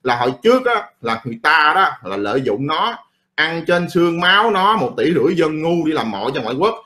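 A man's voice: fairly high pitch, big pitch swings, a little fast, sharp tone. A middle-aged man who rants about politics in a casual, blunt and profane way, rambling and repeating himself. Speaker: political commentator.

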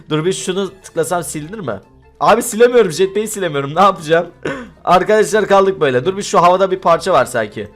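A young man hosting a gaming video, giving excited commentary with frequent laughter while calling out to his friends. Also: high-pitched, fast, faint music behind.

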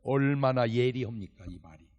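A man's voice: mid-range voice, moderate pace, muffled recording. A male pastor preaching a sermon at a church revival service, telling jokey stories and acting out dialogue. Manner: animated, joking storytelling with acted dialogue.

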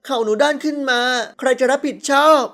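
Woman voicing a high-pitched, brash, boastful young woman. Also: quick pace, close to an everyday voice. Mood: brash, protesting. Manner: talkative, whiny, cheeky.

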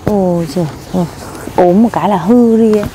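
A woman's voice: mid-range voice, a little fast, warm tone, slight background noise. A woman, a mother, chatting and teasing her children outdoors by a lake. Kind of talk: casual family chat.

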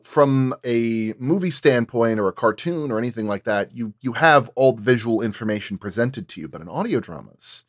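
A man's voice: on the low side, dry recording, studio quality. A man speaking as a sound designer on a panel, explaining his craft casually and in thoughtful detail.

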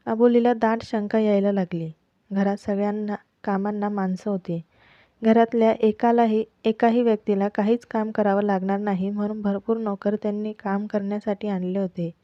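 A woman reads a family drama story aloud at a steady pace, changing her delivery for each character. The sound is dry and close, with a dull, lo-fi tone. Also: medium pitch, normal speed, no echo. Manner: steady expressive reading, voicing each character herself. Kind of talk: reading a self-written serial story.

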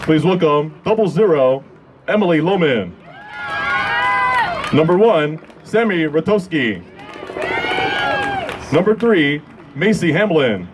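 A young man works as a public address announcer at a sports game, speaking into a handheld mic. His voice sits high for a man and moves in a very animated way through formal, scripted introductions. Crowd and background noise are clearly audible behind him. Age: 20s. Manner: formal, measured, drawn-out names. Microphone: handheld microphone held close.

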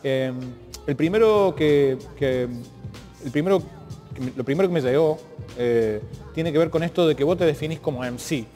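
A man with a Cordobese Argentine accent, interviewing conversationally in a halting, thoughtful way, repeating words as he builds his questions. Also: on the high side, dark tone. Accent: Cordobese Argentine Spanish. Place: large art gallery, indoors. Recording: long hall reverb, music underneath.

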